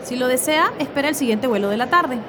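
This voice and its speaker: A woman's voice: high voice, animated, quick pace, background noise. A woman playing a polite, unbending airline agent with formal courtesy in an acted public-service spot. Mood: polite, unyielding.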